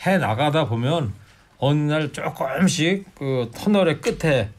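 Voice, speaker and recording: Mature man, radio host, somewhat higher register, avuncular conversational style, studio mic. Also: lively intonation, unhurried. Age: middle-aged or older. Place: small radio studio, indoors. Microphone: studio microphone on stand.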